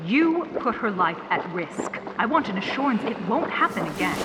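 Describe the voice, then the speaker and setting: An actress playing a stern, imperious authority figure in an audio drama, formal and reproving in manner. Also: female voice, fairly high pitch, sing-song, moderate pace, heavy background noise. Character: stern, imperious female benefactor, scolding authority.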